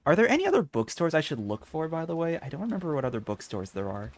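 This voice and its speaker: A man doing live game-stream commentary, excitable and chatty with viewers, sometimes reading dialogue aloud. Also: on the high side, fast talker.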